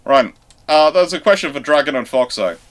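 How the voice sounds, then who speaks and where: A man hosting a casual live panel show, speaking haltingly and often circling back to rephrase. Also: a little high, expressive. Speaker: host of a live history question show.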